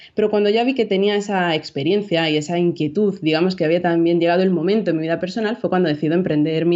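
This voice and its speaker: Very fast speech from a woman, fairly low in pitch, with ordinary pitch variation. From Spain, Seville (Andalusia). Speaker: marketing consultant. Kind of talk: interview. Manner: hesitant, many fillers.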